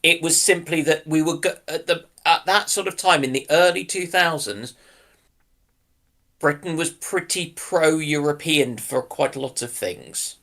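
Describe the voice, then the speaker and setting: A man's voice: a little high, unhurried, fairly bright tone. A man in casual discussion on a live stream panel, explaining himself a little hesitantly.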